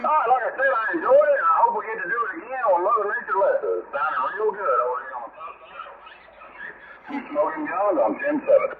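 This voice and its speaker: A man's voice: sits high, animated, fast, a loud crowd. A folksy man with a Southern US accent, chatting in slang over a CB radio transmission. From Louisiana, United States. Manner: folksy, repeats catchphrases. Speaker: CB radio operator. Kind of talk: casual CB radio chat with slang. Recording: narrow, very noisy CB radio reception.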